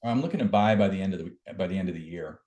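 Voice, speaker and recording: A man's voice: low-pitched, animated, fast talker, warm tone, highs cut off. A man giving a casual product demo, hesitant and full of fillers. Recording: echoey room.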